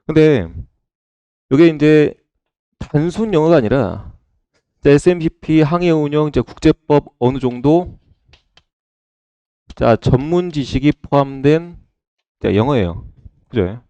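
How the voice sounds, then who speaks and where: A man's voice: fairly high pitch, unhurried, pauses often, smooth, no room sound, muffled recording. A middle-aged man giving a recorded online lecture, often checking in with his class and asking them questions. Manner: repeats "자" and checks in with "그죠?"; lively, asks the class questions.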